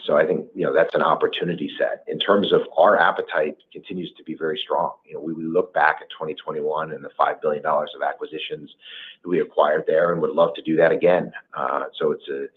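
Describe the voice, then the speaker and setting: Bass-voiced man on a phone-like line. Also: flat delivery, quick pace. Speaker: company executive. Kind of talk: earnings call answers. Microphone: conference call line. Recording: tinny narrow phone line.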